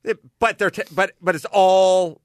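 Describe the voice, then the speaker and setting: A man hosting a podcast, chatting casually and rambling through animated stories. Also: high voice, a little slow, no room sound, studio quality. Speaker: podcast host. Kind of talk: casual chat.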